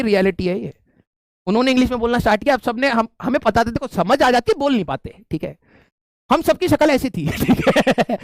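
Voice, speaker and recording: A man's voice: very high voice, dry recording. A male teacher telling a humorous story to his class with students around him, often chuckling and checking in with them as he goes.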